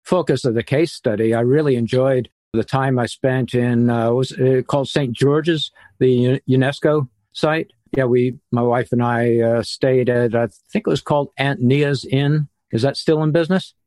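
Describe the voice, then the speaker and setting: A man's voice: medium pitch, steady tone, moderate pace, hardly any pauses, a little mellow, no room sound. A middle-aged man as an interview guest, explaining earnestly with occasional fillers. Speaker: interview guest, urban planning author. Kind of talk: conversational interview.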